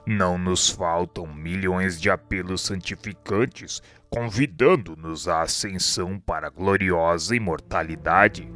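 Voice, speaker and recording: Man acting a deep, bright-toned wise spirit instructor. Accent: Brazilian. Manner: formal, measured, lecturing. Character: wise, dignified male spirit instructor, solemn and helpful. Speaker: spiritual instructor in a radio drama. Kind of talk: solemn didactic radio drama acting.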